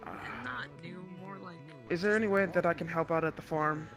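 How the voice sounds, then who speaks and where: A man roleplaying in an online virtual world, speaking in a quiet, unsure and halting way. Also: a little high, steady tone, music in the background. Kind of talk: casual in-character roleplay chat.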